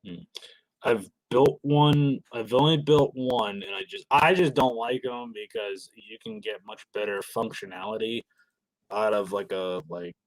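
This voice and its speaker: Loud emphatic man on a call. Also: lowish voice, dry recording, poor audio. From Massachusetts. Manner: loud and emphatic, rapid restarts. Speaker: guest. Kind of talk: casual gun talk. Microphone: video call, loud personal mic.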